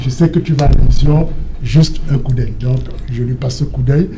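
A man's voice: mid-range voice, normal speed. Older male panelist, noisy studio. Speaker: panelist, law lecturer. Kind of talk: friendly on-air greetings.

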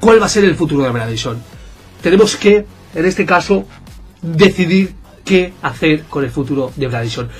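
A man with a Spain Spanish accent, giving excitable, jokey gameplay commentary and bantering with his viewers. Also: on the high side, moderate pace, faint music behind. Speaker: gaming YouTuber.

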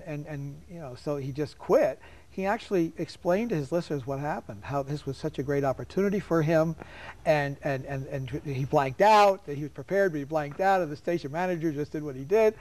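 A man's voice: fairly high pitch, a little mellow. An older man in his seventies from New York, hosting a casual TV studio interview and telling stories with frequent laughs. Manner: chatty, storytelling, laughs often. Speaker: host.

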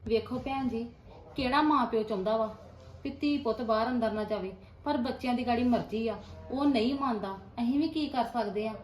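A woman with an Indian Punjabi accent playing a soft-spoken mother of a grown son who explains herself apologetically and persuasively. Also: on the high side, normal speed, slight background noise, close to an everyday voice. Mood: pleading. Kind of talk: village family drama acting. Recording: echoey room.

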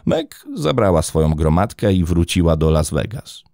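Male true-crime narrator, very deep, dark, expressive, dry close sound. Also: vocal fry, dry recording. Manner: measured, dramatic storytelling.

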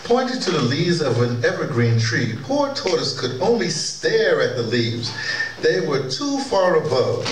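A middle-aged man presents and narrates a live audio drama in a large wood-panelled conference hall. His voice sits a little high and sing-song, at a measured pace, captured from a distance with a strong echo and clear background noise.

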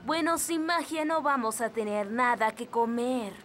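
A woman's voice: a little high, a little slow, over loud music, lightly acted. A woman with a Latin American Spanish accent voicing a sensible, cheerful elf mother in a children's cartoon dub. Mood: matter-of-fact.

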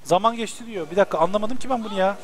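A young man giving casual, excitable gameplay commentary, swearing and talking to the game as he plays. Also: high-pitched, rapid-fire. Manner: excitable, swearing, talks to the game and his horse. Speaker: gameplay streamer. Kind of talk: casual let's-play commentary.

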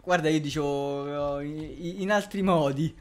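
A man's voice: on the high side, unhurried. A man commenting casually on a survival game, laughing often and cursing at zombies. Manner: swears a lot, laughs often, yells at the game. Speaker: gameplay commentator. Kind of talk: casual let's-play commentary.

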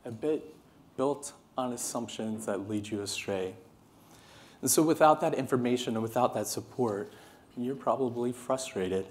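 A man in his thirties from California with an American accent, giving an earnest, passionate conference keynote to a seated audience. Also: medium pitch. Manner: earnest, animated, passionate delivery. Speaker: keynote speaker. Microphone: podium microphone, moving around the stage.

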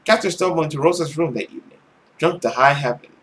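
A young man reading a visual novel aloud dramatically, with an expressive, theatrical manner. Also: fairly high pitch, fast, a little hiss or hum. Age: young adult. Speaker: let's play host. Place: small indoor room at home. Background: music.

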